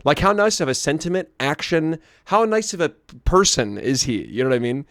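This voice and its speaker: A hoarse young man vlogging, telling a rambling story to camera with many restarts and asides. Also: a little high, lively intonation, a little fast, a bit bright, no room sound, studio quality.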